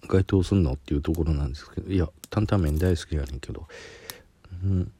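His voice is low and warm with a breathy edge, and he talks fast in a recording with no room sound. He's a Kansai-accented man casually reviewing a spicy snack on his solo podcast, sweating and sniffling from a runny nose while making chatty, self-deprecating comments.

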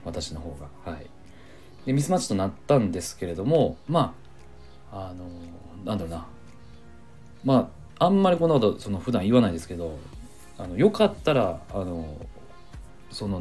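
A man with a Kansai accent hosting a casual solo podcast, rambling through a story with lots of fillers and soft chuckles. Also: lowish voice. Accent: Kansai Japanese. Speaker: podcast host.

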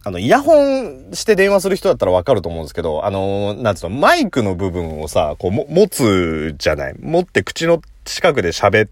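Man telling a story, hugely animated pitch. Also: brisk, hardly any pauses, no room sound, studio quality. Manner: animated, laughing at his own story. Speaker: podcast host. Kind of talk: casual solo storytelling. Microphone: phone app recording.

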